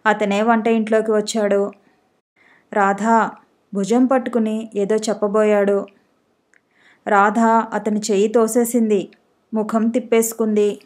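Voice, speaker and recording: A woman narrating a novel as an audiobook in slow, measured scripted narration. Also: medium pitch, a little mellow.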